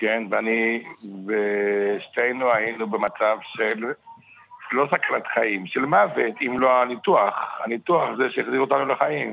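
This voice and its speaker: Over noticeable background noise, a man talks at a fairly slow pace with medium pitch and ordinary pitch variation. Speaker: rabbi, terror attack victim. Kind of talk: radio interview.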